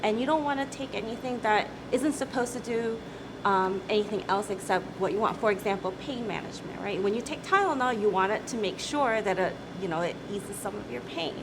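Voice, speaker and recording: A woman's voice: mid-range voice, a little fast. Female CEO guest, late 30s, chatty and upbeat, noisy recording. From South Korea. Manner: chatty, laughs easily, says "right?" often. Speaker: company CEO, interview guest. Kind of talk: casual interview talk.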